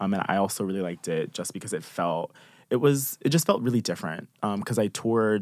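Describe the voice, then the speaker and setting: A man with a fairly low voice and an American accent speaks with lively intonation, recorded very cleanly against a silent background with a dry, close sound and no echo. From US South, Baton Rouge, Louisiana. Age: 20s. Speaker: fashion designer. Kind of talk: casual interview. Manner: halting, many fillers.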